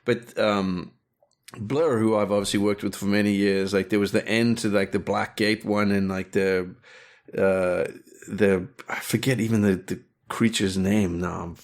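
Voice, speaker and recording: Deep-voiced man in a rambling chat. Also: fairly even intonation, unhurried. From South Africa. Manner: rambling, many restarts and fillers. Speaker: guest, director and animator. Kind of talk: casual interview chat.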